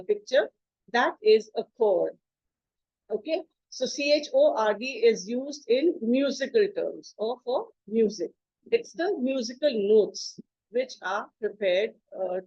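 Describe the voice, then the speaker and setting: A woman English teacher talks through a presentation in a fairly high voice. She explains patiently, spells out words and leans on fillers as she thinks. The recording is dry and a bit muffled, like a basic home setup. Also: a little mellow, no echo. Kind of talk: slide presentation lesson.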